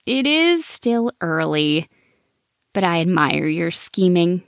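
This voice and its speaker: A woman's voice: on the low side, very animated, slow pace, no room sound, studio quality, exaggerated voice. A woman playing a patient fox aunt. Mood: gently firm.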